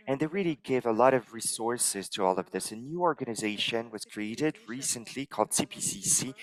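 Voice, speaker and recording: A man interpreting a conference talk live into English, measured and halting, pausing as he translates. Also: mid-range voice, poor audio. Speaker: simultaneous interpreter.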